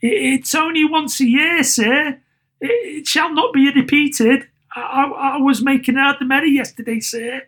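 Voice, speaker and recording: A man's voice: extremely high pitch, measured pace, a bit bright, pitched above the performer's own voice. A man voicing a meek, flustered clerk, stammering and deferential, in a storybook reading. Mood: nervous, apologetic. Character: meek, flustered adult male clerk, apologetic.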